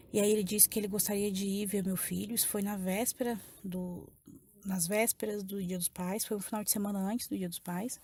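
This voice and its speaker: A woman's voice: medium pitch, darkish tone. A woman with a Brazilian accent giving an emotional personal testimony to a church congregation, repeating phrases as she tells her story. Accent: Brazilian Portuguese.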